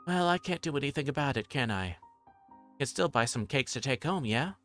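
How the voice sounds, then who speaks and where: A man's voice: mid-range voice, lively intonation, brisk, fairly bright tone, soft background music, pitched above the performer's own voice, natural voice. A man voicing a pushy, gushing woman customer who talks in a chatty, familiar way, in a visual novel.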